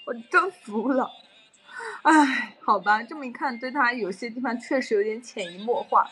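A woman's voice: on the high side, normal speed, a bit bright, breathy edge. A young adult woman chatting casually on a livestream and telling stories animatedly with frequent laughs.

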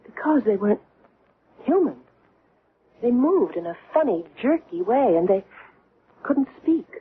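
An actress playing an earnest, troubled woman under hypnosis in a radio drama, speaking haltingly. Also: a little high, very animated, breathy edge, full character voice. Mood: awed. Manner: hesitant, halting. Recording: noisy, tinny old radio broadcast.

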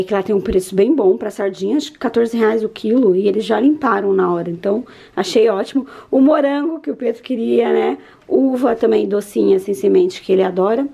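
A hoarse young woman with a Brazilian Portuguese accent talks chattily to her viewers, her husky voice gravelly with fry. The sound is roomy and a little distant, as if caught by a camera across the room, with faint ambience behind. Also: medium pitch, mellow. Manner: chatty, keeps addressing viewers. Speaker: vlogger. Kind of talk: casual chat to camera.

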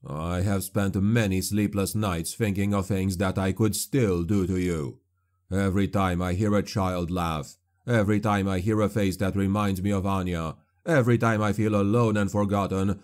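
A man voicing a grim male witch hunter who speaks in a cold, venomous, measured way. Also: low-pitched, darkish tone, lightly acted. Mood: menacing.

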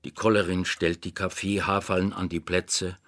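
A man's voice: deep voice, little pitch movement, moderate pace, a bit bright. A man narrating an audiobook drama as a scripted storyteller.

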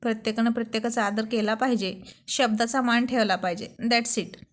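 A woman's voice: fairly high pitch, fairly even intonation, moderate pace, lightly acted. A woman voicing a playful, teasing young husband in a spoken storybook. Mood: earnest. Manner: playful, bantering. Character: young married man, teasing and romantic.

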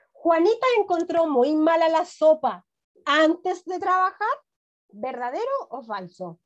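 Her voice sits high and a bit bright as this middle-aged woman teaches young children online. A primary school teacher, she stays encouraging and fills the lesson with questions, all coming through muffled lo-fi video call sound.

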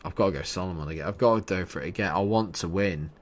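A young man streaming a football management game, talking through his nerves, yelling at the match and then muttering to himself. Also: sits low, fast talker. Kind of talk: live reactions while playing a football management game.

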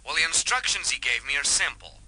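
Sharp, bright-voiced businesslike associate. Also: male voice, a little high, animated, a little fast, full character voice, low-quality recording. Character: businesslike associate reporting to a detective. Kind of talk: radio drama acting.

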